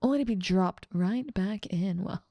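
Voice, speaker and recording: A woman's voice: medium pitch, normal speed, dark tone, no room sound, clean studio sound, close to an everyday voice. A woman playing a dominant, teasing female demon ruler of hell in an ASMR roleplay, with playful menace and amused condescension. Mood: darkly relishing. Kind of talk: ASMR roleplay audio drama.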